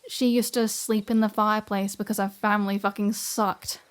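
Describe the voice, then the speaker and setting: A woman's voice: mid-range voice, little pitch movement, normal speed, clean tone, close to an everyday voice. Sarcastic, flirty vampire woman, acted by a woman. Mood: sardonic, chatty. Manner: teasing, wry, conversational with sighs and asides. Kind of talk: scripted ASMR audio roleplay, addressing the listener.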